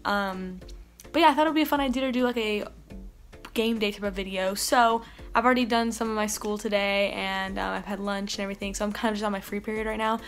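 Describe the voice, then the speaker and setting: Chatty teen girl, a little raspy. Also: fairly even intonation, fast, faint music behind. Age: teens. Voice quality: slightly raspy, deep from games. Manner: chatty, many fillers like "um" and "like". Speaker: vlogger. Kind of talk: casual vlog chat. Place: bedroom, indoors. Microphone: phone or camera close up, later farther off.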